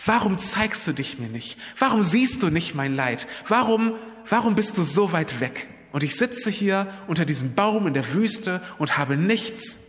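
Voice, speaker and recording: A man's voice: mid-range voice, brisk, hardly any pauses, in a large hall, lightly acted. A man voicing an anguished biblical man who cries out to God, pleading in a raised voice. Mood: desperate.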